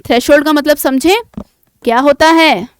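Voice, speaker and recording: A woman's voice: sits high, moderate pace, slight background noise. A woman teaching an exam-prep vocabulary lesson, explaining patiently, repeating key words and asking rhetorical check questions.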